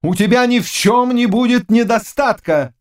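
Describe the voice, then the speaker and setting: A man's voice: extremely high pitch, moderate pace, voice pushed up. A man voicing a commanding, fiery king who declaims with passion. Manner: impassioned, declaiming outbursts.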